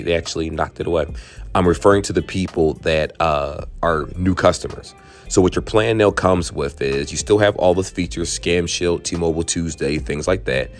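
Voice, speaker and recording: A man hosting a tech channel, chatting casually and frankly to viewers, his voice worn hoarse. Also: deep voice. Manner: chatty, frank, drifts into asides. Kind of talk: casual explainer talking to viewers.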